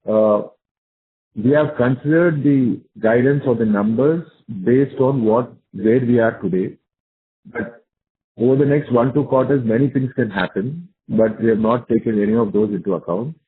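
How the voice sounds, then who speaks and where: A man's voice: mid-range voice, measured pace, slight background noise. A man with an Indian accent answering investor questions as a company executive on a conference call, restating his points for emphasis, over a narrow phone line.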